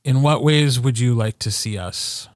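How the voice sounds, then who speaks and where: A man's voice: medium pitch, unhurried, no room sound. Male podcast host, dry close sound. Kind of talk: casual podcast chat.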